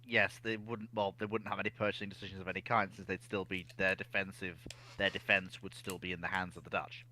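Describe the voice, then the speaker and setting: A man's voice: low-pitched, level tone, quick pace, bright, forceful tone. A man on a discussion panel, talking history casually and building his argument step by step.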